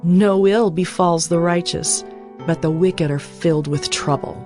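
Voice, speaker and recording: A woman with a fairly low voice reads scripture as a narrator. Her delivery is measured and declarative, in the style of a dramatized audio Bible. Instrumental music plays clearly behind her. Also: darkish tone. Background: instrumental music with guitar.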